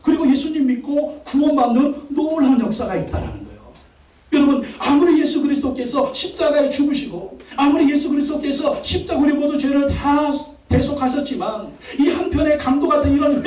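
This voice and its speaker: A man's voice: very high voice, expressive, fairly quick, a little mellow. Pastor guy preaching hard, repeats lines, echoey hall, mic kinda far off. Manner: emphatic preaching, repeats phrases, asks the congregation questions. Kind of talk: sermon. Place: church sanctuary.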